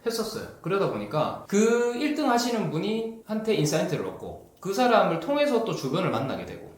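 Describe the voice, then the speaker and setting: A man in his forties hosting an interview, animated and advising, with frequent affirming hums. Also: high voice, fairly quick. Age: 40s. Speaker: host. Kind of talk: interview chat. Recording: echoey room with faint noise.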